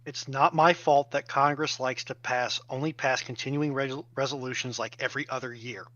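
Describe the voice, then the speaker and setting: Male panelist, mid-pitched, tense bright voice, emphatic explainer, lo-fi sound. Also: fairly even intonation, moderate pace, no echo. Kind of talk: informal expert discussion. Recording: dull, band-limited audio.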